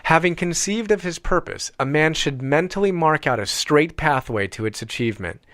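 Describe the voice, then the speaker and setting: A man reading an audiobook in a deliberate, measured way with emphatic pauses. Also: fairly high pitch, animated, a bit bright, dry recording. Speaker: audiobook reader. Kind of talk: scripted audiobook narration.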